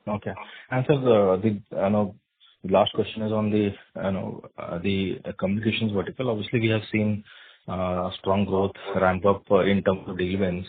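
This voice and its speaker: A man's voice: fairly low pitch, little pitch movement, normal speed, husky, narrow, tinny audio. A man, an analyst putting questions to management on an earnings call in hesitant, roundabout phrasing. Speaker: financial analyst asking questions. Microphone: conference call line.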